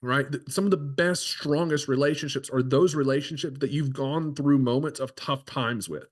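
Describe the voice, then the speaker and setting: A man's voice: mid-range voice, moderate pace. Conversational male horse trainer. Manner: conversational, keeps asking "right?"; frequent restarts and filler. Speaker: horse trainer and podcast host. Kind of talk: casual instructional talk.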